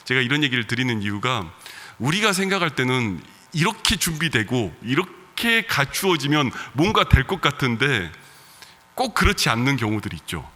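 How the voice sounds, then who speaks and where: A male pastor with a regional Korean dialect accent, preaching a conversational sermon with soft laughs and fillers. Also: medium pitch, very animated, normal speed, long reverb tail. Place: church sanctuary.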